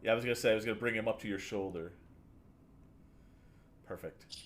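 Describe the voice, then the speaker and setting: A man acting as game master, narrating a tabletop game casually and excitably, punching out sound effects. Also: on the low side, fairly quick, slight background noise.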